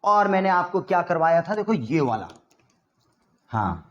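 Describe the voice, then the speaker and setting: Young man, Hindi accent, classroom English teacher, conversational and a touch high-pitched. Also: sing-song, a little slow, fairly bright tone, lo-fi sound. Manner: chatty, addresses class with rhetorical checks. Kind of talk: classroom spoken-English lesson.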